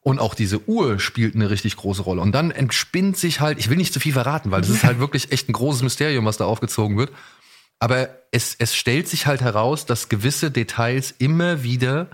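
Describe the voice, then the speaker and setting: A male podcast host talks in a loose, conversational way at a middle pitch. He is enthusiastic and rambles, often doubling back to rephrase what he has begun. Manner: enthusiastic, rambling, self-correcting. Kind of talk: casual podcast chat about audio dramas.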